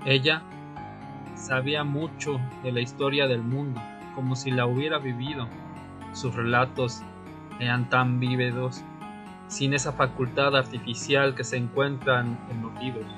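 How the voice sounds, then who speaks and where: A man playing a brooding vampire, once a history student, in a radio drama, speaking solemnly in short, deliberate phrases. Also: mid-range voice, level tone, natural voice. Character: brooding male vampire, former history student, seeking answers. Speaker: narrator and lead actor. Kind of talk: audio drama narration and dialogue. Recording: music bed under the voice.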